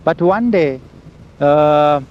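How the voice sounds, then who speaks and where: An older man, slowly recalling old memories in an oral history interview, with a loud voice. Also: a little high. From India. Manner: slow, halting storytelling of memories. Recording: dull lo-fi recording with faint hiss and vehicle sounds.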